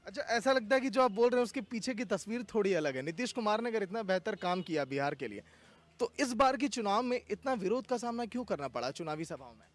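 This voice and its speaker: A man's voice: sits high, animated, fast. A man, a news reporter, putting pointed questions in a field interview and signing off.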